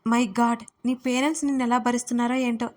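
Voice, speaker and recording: A woman's voice: fairly high pitch, flat delivery, brisk, a little mellow, natural voice. A woman voicing a brusque, bossy young man who scolds and teases in an audio story. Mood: bossy teasing. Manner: gruff, teasing, bossy.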